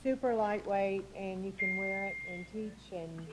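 A woman's voice: medium pitch, unhurried, very noisy. A middle-aged woman demonstrating and explaining as an administrator at a meeting, using a table microphone in a large room. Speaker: school district administrator.

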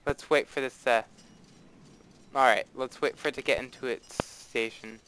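A man's voice: mid-range voice, steady tone, moderate pace, bright, forceful tone, clear, resonant tone, no echo, low-quality recording. A young man casually commenting on his own gameplay, rambling and playfully dramatic, with a desktop mic and faint background noise. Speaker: let's play host.

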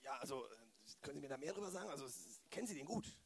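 A man's voice: fairly high pitch, animated, rapid-fire. A man playing an earnest, squeamish young detective in an improvised amateur radio play.

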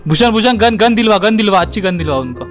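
A young man giving excited gameplay commentary, laughing, shouting and teasing while he plays. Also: high voice, quick pace. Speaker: gaming streamer. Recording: loud game music behind.

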